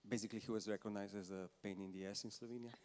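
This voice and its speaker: A man's voice: on the low side, fairly even intonation, racing, a little mellow. A man speaking as a business panelist, direct and candid. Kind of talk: panel discussion answers.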